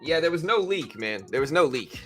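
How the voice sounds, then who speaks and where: A tired trading host who has just woken up talks in a relaxed, meandering way during an early-morning livestream from his home in Texas, leaning heavily on "bro" and "you know." He's an adult with a daughter, and his voice, deeper than usual today, still sits on the high side with wide pitch swings, a slightly fast pace and a bright, forceful tone. Soft music can be heard behind him.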